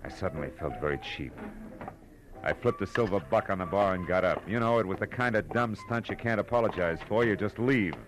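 A man's voice: low voice, brisk, background noise, lightly acted. An actor playing a hard-boiled Los Angeles private detective in a 1940s radio drama, telling his story in a terse, world-weary way. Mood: brooding, watchful. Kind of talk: 1940s radio acting, first-person noir narration. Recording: old radio drama with music bed.

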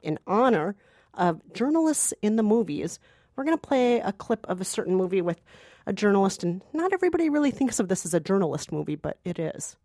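A woman's voice: mid-range voice, sing-song, brisk, darkish tone. A woman co-hosting a movie podcast in a casual, conversational, amused way. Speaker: podcast co-host.

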